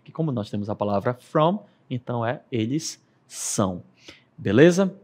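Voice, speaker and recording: A man's voice: mid-range voice, expressive, moderate pace, darkish tone. A man with a Brazilian Portuguese accent teaching an English lesson on air, patiently explaining step by step and often checking in with "ok?". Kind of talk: televised classroom lesson.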